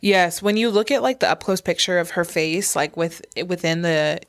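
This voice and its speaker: A woman's voice: on the low side, normal speed. A woman hosting a podcast, chatting effusively about wedding looks. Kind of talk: casual podcast chat.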